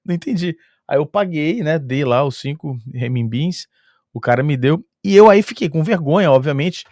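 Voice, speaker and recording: A man with a Brazilian Portuguese accent telling a travel story in a casual, lively way, chuckling often and using sound-effect filler words. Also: on the high side, normal speed, dry recording, clean studio sound.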